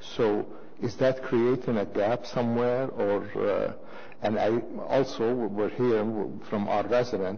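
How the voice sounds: With vocal fry and few pauses, a man speaks at a fairly slow pace in a fairly low pitch with fairly even intonation.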